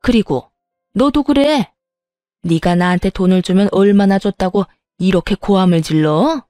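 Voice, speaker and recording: A woman's voice: mid-range voice, normal speed, mellow, no echo, studio quality, soft background music, close to an everyday voice. A woman voicing a brazen, self-pitying older mother-in-law who stammers and talks back in an indignant tone, in a scripted story. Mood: scornful.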